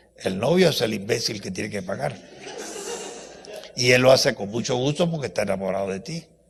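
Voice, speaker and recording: Over noticeable background noise, a man of medium pitch speaks at a fairly quick pace in an animated tone, with very wide pitch swings, big swings in loudness and long, frequent pauses. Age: 80s+. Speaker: university lecturer. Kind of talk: lecture.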